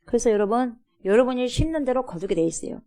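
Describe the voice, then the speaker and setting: A woman's voice: on the high side, animated, quick pace, warm tone. A woman pastor preaching a sermon in a church, emphatic, calling out to the congregation and asking rhetorical questions. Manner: emphatic, many rhetorical questions and repeated "여러분". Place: church sanctuary.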